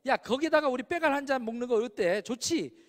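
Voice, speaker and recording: A man's voice: very high-pitched, animated, a little fast. A man acting out an upbeat, sociable male classmate who just wants fun, recorded with a long hall reverb. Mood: cheerful. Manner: upbeat, playful. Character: cheerful sociable male party-lover classmate.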